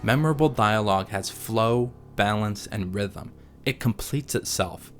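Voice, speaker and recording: A man narrating a scripted video essay in a measured, analytical way. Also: fairly low pitch, faint music behind.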